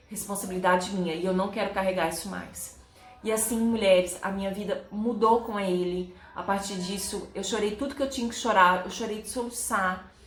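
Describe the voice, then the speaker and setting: A woman's voice: medium pitch, a bit bright, reverberant. A Brazilian woman, a psychologist, giving an earnest, emotional personal testimony to women, repeating phrases for emphasis.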